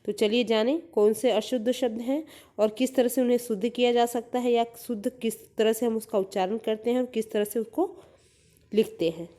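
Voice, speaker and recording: A woman's voice: fairly high pitch, steady tone, normal speed, dark tone. A woman teacher giving a grammar lesson to young children, patiently repeating each word aloud and explaining letters and vowel signs step by step.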